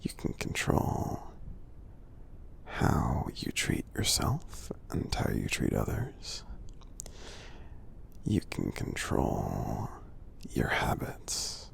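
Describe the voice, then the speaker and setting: A man voicing a kindly, encouraging giant for ASMR affirmations, in a soothing, breathy, gravelly whisper. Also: a bass voice, wildly swooping pitch, exaggerated voice. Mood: gentle, advising. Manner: slow, soothing, gently earnest. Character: kindly giant friend, gentle, reassuring, encouraging.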